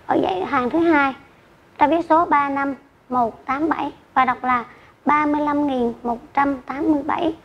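A woman teacher giving an online math lesson to children, speaking slowly and carefully and reading out numbers digit by digit. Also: sits high, fairly even intonation. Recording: dull lo-fi recording with faint noise.

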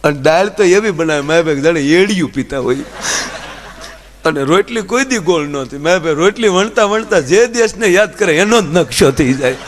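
A man's voice: fairly high pitch, normal speed. A man telling comic folk stories on stage, acting out the voices of the people in them. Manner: lively storytelling with acted-out voices. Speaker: folk comedian. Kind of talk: Gujarati stand-up storytelling. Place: stage program before an audience.

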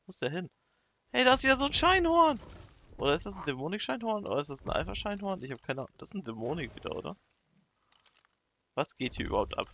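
Excitable gravelly man narrating gameplay. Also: fairly high pitch, fast, slight background noise. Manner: animated, yelps and shrieks in panic. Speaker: let's play host.

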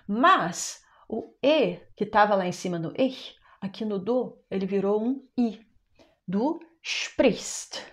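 With a mid-range, slightly bright voice and lively intonation, a young Brazilian woman teaches German online. Her Brazilian Portuguese accent comes through as she patiently explains each step and eases her pace for the sample words.

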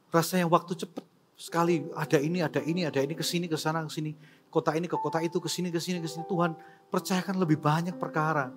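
A man preaching a sermon in a church, telling personal stories, swinging between loud exclamations and hushed prayerful asides. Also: fairly high pitch. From Indonesia. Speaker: pastor. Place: church hall.

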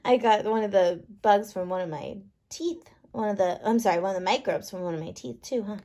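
A woman kindergarten teacher reading a picture book aloud, playful and expressive, leaning on key words. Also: medium pitch, fairly quick.

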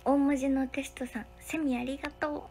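A young woman, hosting a casual livestream from a hotel room and thanking viewers for their comments one by one, sometimes dropping to a soft whisper. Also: high-pitched, level tone, moderate pace, soft background music. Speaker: livestream host.

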